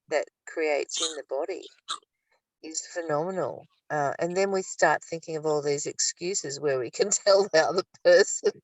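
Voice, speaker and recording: Older female, low register, reflective study-group speaker, slightly distant mic. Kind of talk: reading aloud and reflective discussion. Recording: roomy, distant microphone.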